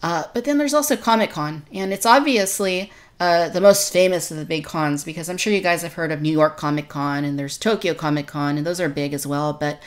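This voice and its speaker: Podcast host: woman, low-pitched voice, conversational delivery, from Texas. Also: fairly quick, hardly any pauses. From Texas, United States.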